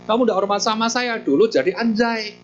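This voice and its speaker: A man's voice: high voice, a little fast, dull audio, slight background noise, voice pushed up, natural voice. A man voicing the Buddha as a firm, lecturing teacher who scolds a disrespectful man. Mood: stern. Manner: firm, lecturing, matter-of-fact.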